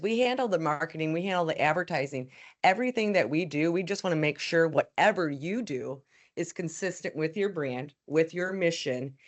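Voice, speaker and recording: A woman speaking on a business panel about advertising at a live event. She talks in a loose, conversational way, restarting sentences and dropping fillers as she goes. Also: deep voice. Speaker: media sales panelist. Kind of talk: panel discussion answer. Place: event room with live audience.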